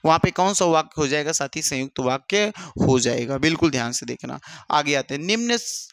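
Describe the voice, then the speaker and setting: A man teaching an exam-prep lesson in an animated way, repeating each answer and acting out students' replies. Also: a little high, normal speed, vocal fry, no echo. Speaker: Hindi teacher.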